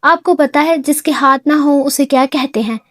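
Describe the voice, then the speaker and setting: A woman voicing a stubborn, lively young woman who whines, cries and talks back cheekily. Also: sits high, dry recording, studio quality, lightly acted. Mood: cheeky. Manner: whiny, tearful, cheeky.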